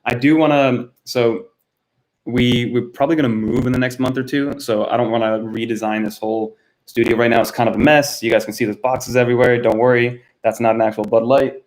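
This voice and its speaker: A young man from Miami, Florida, in the United States, is hosting his first live stream, chatting casually and answering viewers by name. His mid-range voice is steady and brisk. He's recorded on a built-in camera mic in a cluttered room at home, and the audio is poor.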